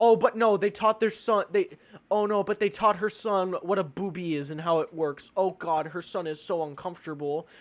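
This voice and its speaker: This man speaks loudly at a moderate pace, with ordinary pitch variation. His pitch is high. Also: quiet background. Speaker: gaming streamer. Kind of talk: livestream rant. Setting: livestream. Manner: animated.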